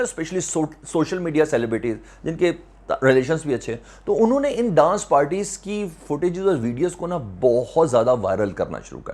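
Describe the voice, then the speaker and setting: A man with a Pakistani accent giving current affairs commentary to viewers, emphatic, repeating phrases and asking rhetorical questions, with English words mixed in. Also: on the high side. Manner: mixes English words into speech. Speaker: host of a news commentary video channel.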